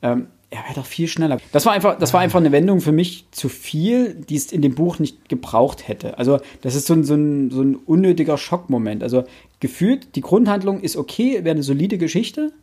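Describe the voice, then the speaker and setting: A man co-hosts a casual book podcast. His voice is mellow and a little rough, with a husky grain. He explains his points and piles up examples as he talks. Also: on the high side, expressive, a little fast. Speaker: podcast co-host.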